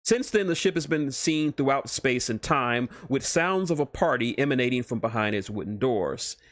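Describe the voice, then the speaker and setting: Man, story narration, expressive pitch, dry close sound, occasional stumbles. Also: normal speed, dry recording. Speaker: streamer reading fan fiction aloud. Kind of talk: story narration read aloud, with stumbles and self-corrections.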